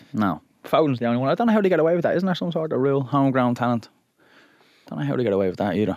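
A man with an Irish accent talks at a very fast pace. His pitch swings very widely. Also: medium pitch for a man. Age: 30s. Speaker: football podcast co-host. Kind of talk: casual chat. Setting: studio.

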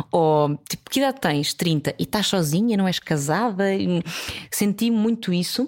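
Speaking at a moderate pace, a woman uses a normal speaking voice at medium pitch with lively intonation. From Portugal. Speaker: actress and voice-over artist. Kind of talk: casual interview. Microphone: good microphone.

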